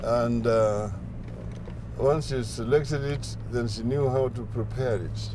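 A man at a fairly slow pace, with noticeable background noise. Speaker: interviewee. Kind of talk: interview answer. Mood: relaxed, laughing. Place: car.

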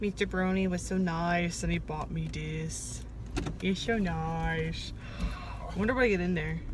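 A woman is speaking. Noticeable background noise runs behind her. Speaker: vlogger. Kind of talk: casual vlog chat.

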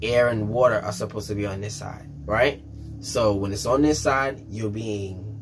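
A man speaks at a fairly slow pace. Music can be heard in the background. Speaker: tarot reader. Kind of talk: tarot reading commentary.

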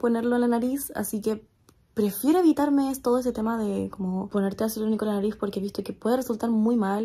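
Against a quiet background, a woman speaks fairly quickly with fairly even intonation. Her voice is somewhat breathy. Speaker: vlogger. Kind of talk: casual vlog chat. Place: home room. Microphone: phone near.

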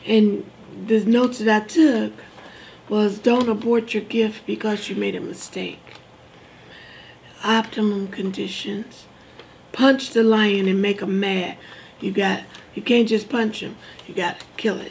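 Long, frequent pauses break up a woman's fairly slow speech. Her intonation is fairly even, with light background noise. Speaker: ministry host. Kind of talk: devotional talk. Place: studio.

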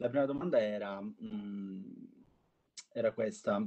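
Here is a man with a plain, everyday voice and a fairly low pitch. He speaks at a fairly slow pace over a quiet background. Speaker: master's student. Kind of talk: audience question. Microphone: poor audio, hard to hear; video call.

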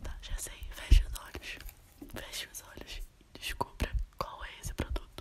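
A woman whispers at a fairly slow pace. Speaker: beauty vlogger. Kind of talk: casual talk to camera, ASMR-style makeup video. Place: home room. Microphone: studio mic.

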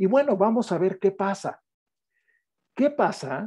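A man's dark, mellow tone moves at a very slow pace with ordinary pitch variation. The background is quiet. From Mexico. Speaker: psychology professor. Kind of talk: lecture. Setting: video call. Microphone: video call.

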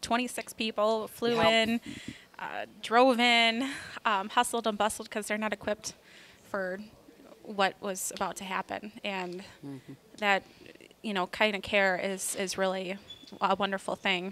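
A woman's bright, sharp tone at a fairly slow pace, with long, frequent pauses and light background noise. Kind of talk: interview answer. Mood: emotional, recounting hard birth. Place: hall. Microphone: handheld.

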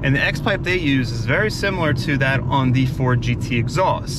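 A man talks fairly slowly over loud background noise, the sound dry with no echo. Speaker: car vlogger. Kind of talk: casual vlog chat. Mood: excited, curious. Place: car. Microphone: phone near.

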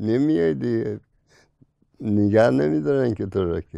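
At a fairly slow pace, a man with a fairly low, dark, mellow voice makes very wide pitch swings, in dry sound with no echo over a quiet background. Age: old. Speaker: actor, former firefighter. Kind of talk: interview answer. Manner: simple, unadorned. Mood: warm, amused storytelling. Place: studio. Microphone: lapel.

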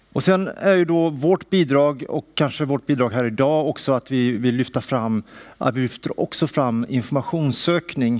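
A man speaks with very even loudness and ordinary pitch variation. The background is quiet. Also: moderate pace. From Sweden. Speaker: professor. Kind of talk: lecture. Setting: stage with audience. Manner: humorous, self-ironic. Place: hall. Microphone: headset.

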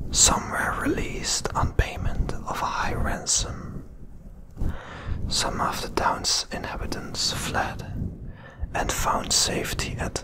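A man whispers at a very slow pace. His speech has long, frequent pauses. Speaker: ASMR creator. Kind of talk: ASMR history narration. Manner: whispered. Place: home room. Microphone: handheld.

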